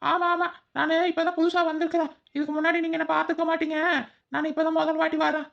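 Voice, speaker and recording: Squeaky veiled stranger's voice. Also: female voice, level tone, fast talker, creaky, highs cut off. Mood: evasive. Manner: squeaky, evasive, put-on. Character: evasive veiled stranger woman, a disguised daughter-in-law's false voice. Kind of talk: cartoon comedy dialogue.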